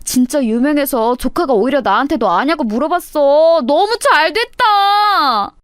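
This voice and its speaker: A woman doing effusive reunion classmates, voices jumping way up high and swinging wildly. They gush and fawn in a dry, close recording. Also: expressive, a little slow, dry recording. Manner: gushing, effusive. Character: gushing women classmates at a reunion.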